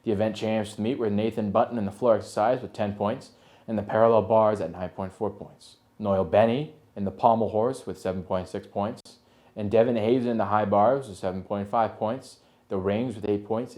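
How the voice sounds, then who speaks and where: A man's voice: on the low side, steady tone, fairly quick, darkish tone. A man reading a local TV sports report, going steadily through scores and results.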